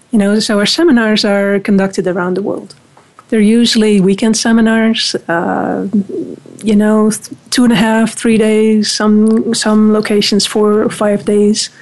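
A woman whose first language is Dutch, speaking English in an interview at a steady, measured pace. She explains things at length and pauses often on fillers, with a pitch that is neither high nor low. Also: low-quality recording. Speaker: director of a spiritual university. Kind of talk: conversational interview.

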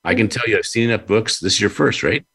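Very deep-voiced, effusive man hosting. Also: fast, vocal fry, pushed and bright, slightly rough. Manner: effusive, repeats phrases. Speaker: host; publisher. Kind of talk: conversational interview.

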